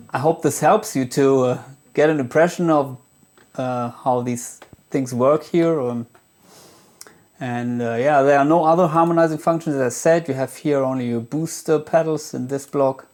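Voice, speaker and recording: A man talking casually through a product demo as a gear reviewer, in a hesitant, halting way as if thinking aloud. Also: medium pitch, darkish tone.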